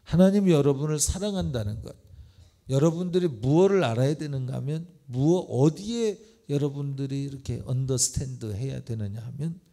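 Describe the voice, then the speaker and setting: A middle-aged male pastor preaching in church, firing rhetorical questions and swinging between loud emphasis and hushed asides. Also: mid-range voice, moderate pace, gravelly. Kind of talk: sermon. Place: church sanctuary.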